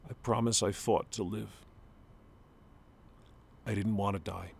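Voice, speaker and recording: A man playing a grieving adult son talking to his father in an intimate, halting monologue whose voice sometimes breaks high. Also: fairly even intonation, creaky, a little mellow, slightly rough, full character voice. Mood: tender. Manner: halting, restarts, voice breaking into high strained pitch.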